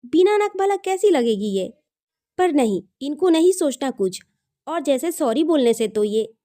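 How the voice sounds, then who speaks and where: A woman's voice: high voice, very animated, moderate pace, warm tone. A woman voicing a feisty, indignant young hotel employee in an audio love story, scolding dramatically and mixing in English words. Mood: pained, complaining.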